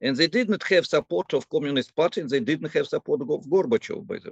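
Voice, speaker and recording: The speaker talks at a fairly quick pace in a Russian accent, with very wide pitch swings and a dry, close sound with no echo. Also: man. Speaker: professor. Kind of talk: interview. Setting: video call.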